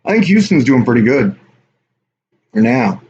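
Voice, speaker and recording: A man's voice: mid-range voice, very animated, moderate pace, darkish tone. Rambling man on a lo-fi livestream. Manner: rambling, offhand, reads chat aloud. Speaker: livestream host. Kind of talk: casual live stream chat with viewers. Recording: dull lo-fi stream audio with faint hiss.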